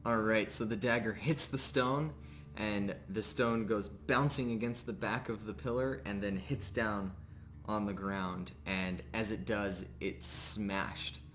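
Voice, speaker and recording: A man working as game master, improvising descriptive narration for a tabletop game in a relaxed, pausing way. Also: fairly low pitch, soft background music.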